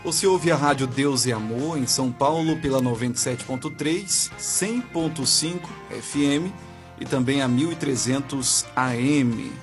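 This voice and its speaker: A man's voice: medium pitch, unhurried. A Brazilian man hosting a live religious radio call-in as a pastor, chatting affectionately with listeners. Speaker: radio host and pastor taking listener calls. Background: music bed.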